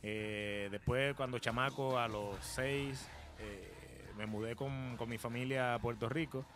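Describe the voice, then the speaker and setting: A young man, a podcast guest telling his story in a relaxed way, with many fillers and repeats. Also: medium pitch, slow. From Dominican Republic. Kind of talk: casual storytelling chat.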